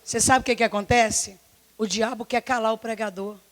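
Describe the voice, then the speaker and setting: A woman pastor in her forties with a Brazilian Portuguese accent, preaching a fervent sermon in a church, her voice slightly hoarse, repeating herself and firing rhetorical questions. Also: a little high, fairly even intonation, a little fast, a bit bright. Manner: impassioned, repetitive, many rhetorical questions. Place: church service.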